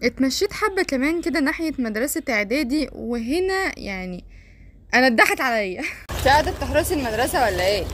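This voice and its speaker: A woman's voice: high voice, lively intonation, quick pace. A woman with an Egyptian Arabic accent vlogging outdoors, chatting and coaxing street animals in a teasing way. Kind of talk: casual vlog narration and talking to street animals. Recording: loud street traffic noise behind.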